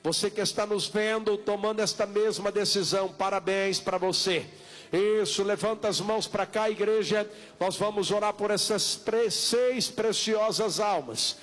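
A man with a Brazilian Portuguese accent preaching as an evangelical pastor, urging people insistently with repeated, drawn-out calls during an altar call. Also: high-pitched, fairly even intonation, a bit bright.

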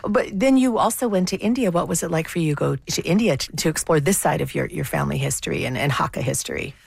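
A woman interviewer with a fairly low voice and a gravelly texture asks short, curious questions. She restarts a word here and there as she goes. The sound is dry and close. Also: lively intonation, quick pace, no echo. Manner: curious, brief prompting questions with small restarts. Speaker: interviewer, host.

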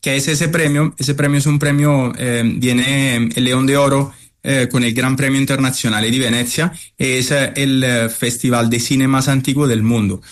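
A man's voice: medium pitch, steady tone, normal speed, hardly any pauses. An Italian-born man talking in Spanish with an Italian accent, taking his time as he answers. He stops often, fills gaps with small sounds and restarts his phrases. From Italy. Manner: hesitant, many fillers and restarts. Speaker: chef and restaurant owner. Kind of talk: interview answers.

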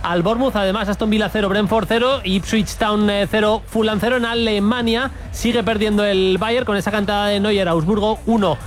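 High-pitched male football reporter. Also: fairly even intonation, a little fast, soft background music. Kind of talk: live score round-up.

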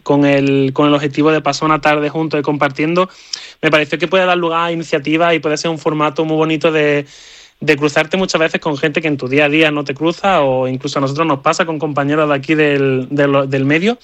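A man's voice: on the high side, level tone, fairly quick, fairly bright tone, dry recording, muffled recording. A man, a band member giving enthusiastic, rambling answers in a radio interview.

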